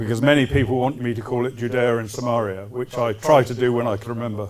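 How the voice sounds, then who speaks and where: Over noticeable background noise, a man with a British accent talks at a very fast pace with fairly even intonation. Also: medium pitch for a man. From England. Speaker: retired army colonel, lecturer. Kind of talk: lecture with consecutive interpreting. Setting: lecture hall with audience. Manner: short phrases with pauses for interpreter.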